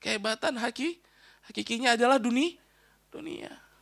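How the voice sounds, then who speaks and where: A male preacher lecturing a live audience in a hall. His voice sits very high and sounds forceful and sharp, and he is animated, joking as he swings up and drops low. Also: moderate pace, gravelly. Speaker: Islamic preacher.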